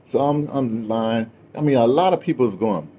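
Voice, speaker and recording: Older american guy in his 60s telling rambling stories, soft mellow tone, really lively, recorded outside. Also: medium pitch, normal speed. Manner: animated, digressive storyteller. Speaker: host of an audio memoir channel. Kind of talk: casual storytelling chat. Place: outdoors on a patio in daylight. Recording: outdoor ambient noise.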